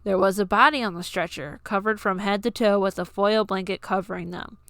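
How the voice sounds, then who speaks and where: A woman's voice: mid-range voice, brisk, fairly bright tone, no room sound, studio quality. A woman reading scripted fiction aloud as an amateur audiobook narrator.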